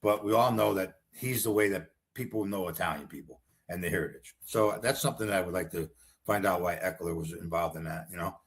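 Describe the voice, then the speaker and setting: A man's voice: sits low, fairly quick. A man running for Congress, talking bluntly and combatively in a rambling political interview. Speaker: congressional candidate.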